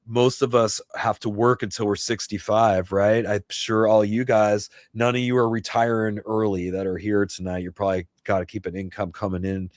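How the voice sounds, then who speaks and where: Jersey guy in his 50s, kinda low voice, rambly laid-back livestream chat, dry mic. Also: level tone, moderate pace, hardly any pauses, no echo. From New Jersey. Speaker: livestream host and guitarist.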